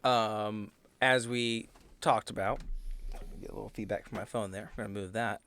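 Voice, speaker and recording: A man chatting casually as a tabletop game player, with a hesitant, halting delivery. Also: on the low side, steady tone, a bit bright, clear, resonant tone. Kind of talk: casual chat and improvised play.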